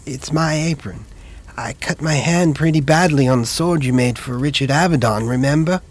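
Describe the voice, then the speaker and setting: A man's voice: a little high, moderate pace, pitched above the performer's own voice. A man voicing a short, earnest young male apprentice who explains things eagerly.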